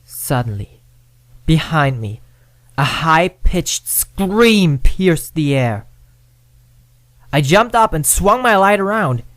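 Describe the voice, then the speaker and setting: A man's voice: a little high, sing-song, slow pace, long pauses, fairly bright tone, no room sound. A man narrating a first-person ghost story, dramatic and at times dropping to a whisper.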